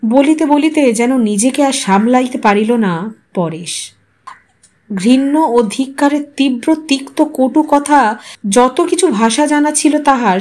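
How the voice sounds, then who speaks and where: A woman reading a literary short story aloud as a storyteller, in an expressive, dramatic manner. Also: sits high. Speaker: audiobook storyteller.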